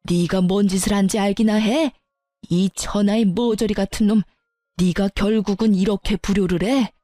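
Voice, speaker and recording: A woman's voice: mid-range voice, fairly even intonation, moderate pace, mellow, no room sound, natural voice. A woman voicing an older father-in-law who berates his son with insults, in a dramatized story reading. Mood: furious.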